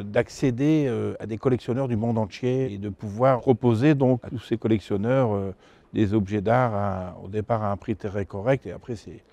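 A man's voice: fairly low pitch, creaky, dark tone. A man in his fifties from France, an antiques dealer answering informally in an interview. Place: exhibition hall stand, indoors. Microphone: lapel mic.

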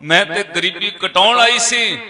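A man's voice: high-pitched, measured pace, pushed and bright, reverberant, exaggerated voice. A male preacher voicing a grieving poor old mother who pleads and wails. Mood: wailing.

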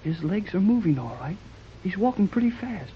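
A wide-eyed, folksy young sidekick. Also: male voice, high-pitched, big pitch swings, normal speed, slight background noise. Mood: eager. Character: eager young American man, naive and excitable. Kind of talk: 1930s radio drama acting. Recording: dull old 1930s radio recording.

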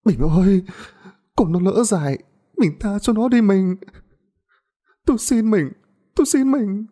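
A man's voice: high-pitched, unhurried, warm tone, voice pushed up. A man voicing a distraught middle-aged peasant mother who wails and pleads. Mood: pleading. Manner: wailing, pleading.

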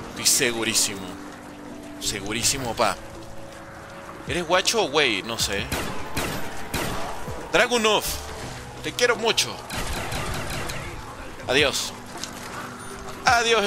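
Venezuelan man, lively streamer chat. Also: medium pitch. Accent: Venezuelan Spanish. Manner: casual, chatty, hums and sings little sounds while playing. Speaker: gaming streamer. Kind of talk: live gameplay commentary reading chat.

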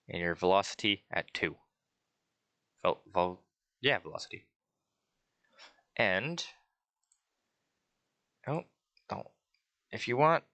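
A man's voice: fairly low pitch, a bit bright, dry recording. A man giving a casual spoken tutorial, rambling a little as he reads out settings. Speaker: tutorial creator.

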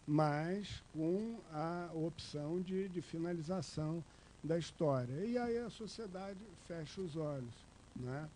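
A man's voice: fairly high pitch, mellow, a little hiss or hum. A middle-aged man with a Brazilian Portuguese accent giving an informal lecture from a panel table, talking in a chatty, digressive way with many fillers and tag questions. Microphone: table microphone on a stand.

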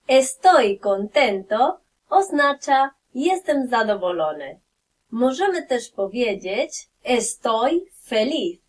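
A woman teaching a beginners' language lesson, saying example phrases slowly and clearly. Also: fairly high pitch, recorded from a distance. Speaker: Spanish teacher.

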